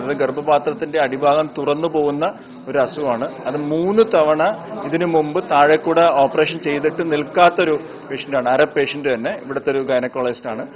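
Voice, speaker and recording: A man from Kerala with a Malayali accent explains as a doctor, conversationally, mixing in English technical terms. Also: on the high side. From Kerala, India. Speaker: doctor, gynaecological surgeon. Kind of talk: explanatory interview remarks. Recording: dull, lo-fi interview audio.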